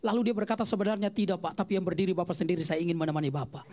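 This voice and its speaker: A man performing stand-up comedy, telling stories and acting out the people in them with big jumps in pitch. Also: fairly even intonation, racing, darkish tone. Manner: acts out quoted voices with big pitch jumps.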